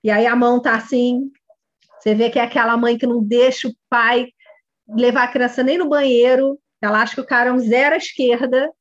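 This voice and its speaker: A woman's voice: fairly high pitch, steady tone, brisk, muffled recording. A woman with a Brazilian Portuguese accent, a kid coach instructor giving a chatty online course lesson and talking to students by name.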